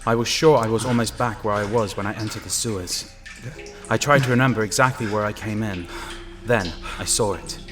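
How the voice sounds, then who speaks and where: Man acting a low-voiced, wary inspector. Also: close to an everyday voice. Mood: wary, urgent. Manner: tense, dramatic, halting. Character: wary working man, lone inspector narrating his ordeal. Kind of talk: first-person audio drama narration and acting.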